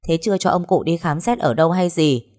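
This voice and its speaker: A woman's voice: on the low side, animated, a little fast, darkish tone. A woman voicing a blunt, scolding elderly female pharmacist with a harsh, coarse way of talking. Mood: reproachful.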